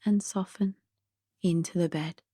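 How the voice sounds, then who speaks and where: A woman gently guiding a sleep meditation in a soothing, soft and breathy voice that drifts toward a whisper. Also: lowish voice, fairly even intonation, measured pace, no room sound, clean studio sound. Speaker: meditation guide.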